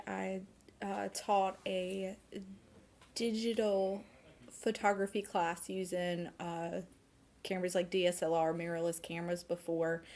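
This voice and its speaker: A woman's voice: fairly low pitch, gravelly, darkish tone. A woman aged forty, a photography instructor, answering interview questions conversationally and hesitantly, thinking aloud.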